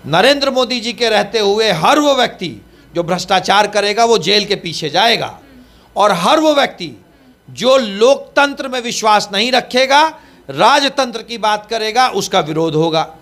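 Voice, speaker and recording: A man's voice: high-pitched, animated, measured pace, fairly bright tone. A man speaking as a party spokesperson in a political interview, emphatic and rhetorical, repeating his points.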